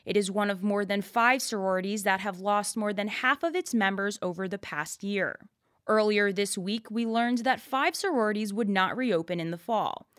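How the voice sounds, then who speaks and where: A woman's voice: medium pitch, moderate pace, a bit bright, dry recording, clean studio sound. A young woman narrating a scripted news report as a student radio reporter. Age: young adult.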